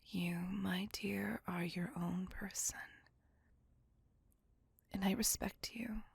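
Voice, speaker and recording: A woman's voice: medium pitch, steady tone, creaky, breathy edge, no echo, full character voice. Woman whispering as a courteous vampire lover. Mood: tender whisper. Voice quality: soft whisper. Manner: formal, slow, intimate and reassuring. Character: courteous, possessive female vampire on a date. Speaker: voice actor. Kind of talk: ASMR roleplay.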